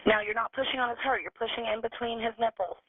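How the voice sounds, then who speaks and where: Lady 911 dispatcher on a tinny phone line, giving instructions, slightly high voice. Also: fast talker, slightly rough, dry recording. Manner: procedural, directive. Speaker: emergency call dispatcher. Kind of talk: telephone emergency questioning and instruction.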